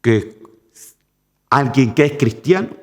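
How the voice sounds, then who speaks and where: A man's voice: medium pitch, lively intonation, slow, a little mellow. A male pastor preaching a sermon, emphatic and direct, often calling his listeners "brother". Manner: emphatic, addresses the congregation as "hermano". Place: church. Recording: long church reverb.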